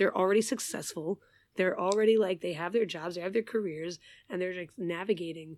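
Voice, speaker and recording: A woman with an American accent has a plain, everyday voice at a medium pitch with fairly even intonation. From New York City. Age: 30s. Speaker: podcast co-host. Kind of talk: casual chat.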